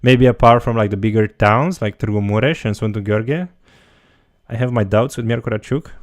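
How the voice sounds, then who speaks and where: A man's voice: on the low side, moderate pace, no echo, clean studio sound. A man teaching a language, answering viewer questions in a casual livestream and thinking aloud as he goes. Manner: loose, talks while thinking aloud.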